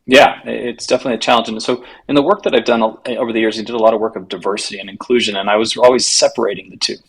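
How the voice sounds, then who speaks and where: Low, gravelly man answering thoughtfully. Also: fairly even intonation, rapid-fire, rough recording. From United States, raised in Latin America. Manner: reflective, builds points with rhetorical questions. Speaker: guest, culture consultant. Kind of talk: conversational interview answers.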